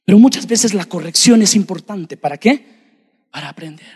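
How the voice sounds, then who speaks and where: Husky preacher in a reverberant church. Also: male voice, high-pitched, lively intonation, moderate pace. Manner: swings between shouting and hushed speech; addresses the congregation directly. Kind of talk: sermon. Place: church sanctuary. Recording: long hall reverb.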